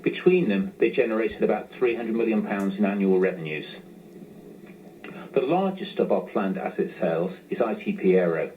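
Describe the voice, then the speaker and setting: A man with a fairly low voice reads a scripted financial presentation as a company executive. His delivery is formal and measured, and the sound is narrow and phone-like with some noise. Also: expressive. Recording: tinny phone-line sound with clear noise.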